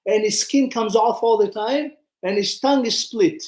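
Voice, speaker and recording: A high-pitched man speaks at a moderate pace as he leads a casual Torah class built around storytelling. This rabbi talks conversationally, plays out dialogue, and questions his audience, all recorded in a room with echo.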